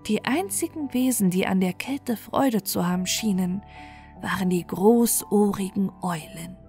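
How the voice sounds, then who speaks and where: A woman's voice: medium pitch, unhurried, mellow. A woman storyteller narrating a scripted bedtime fairy tale, with music playing behind her.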